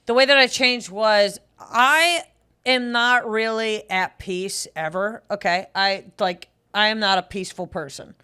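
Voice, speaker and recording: A woman co-hosting a comedy podcast, her voice a little raspy from losing it, rambling through stories and laughing often. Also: medium pitch, unhurried, pushed and bright. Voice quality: slightly raspy from a lost voice. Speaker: podcast co-host. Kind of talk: casual comedy chat.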